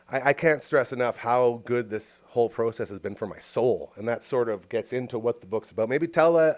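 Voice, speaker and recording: Rambling enthusiastic Canadian host. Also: male voice, mid-range voice. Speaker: podcast host. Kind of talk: casual interview chat. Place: home recording studio booth.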